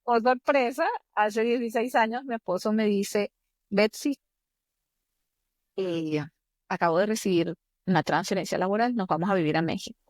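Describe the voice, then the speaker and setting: A woman's voice: mid-range voice, moderate pace, no room sound. A woman in her fifties from Venezuela, with a Venezuelan accent, telling personal stories expressively as an interview guest. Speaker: podcast guest, executive coach. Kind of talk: conversational interview, personal storytelling.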